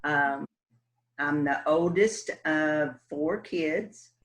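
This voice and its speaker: Slow-talking West Texas woman. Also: sits low. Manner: folksy, unhurried, many ums and uhs. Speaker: city council candidate. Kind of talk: casual interview answers.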